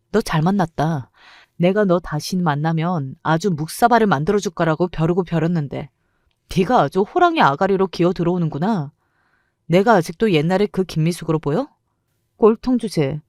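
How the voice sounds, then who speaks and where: A woman's voice: on the low side, darkish tone, no room sound, studio quality, natural voice. A woman playing an icy, furious mother. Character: furious mother taking revenge on old bully.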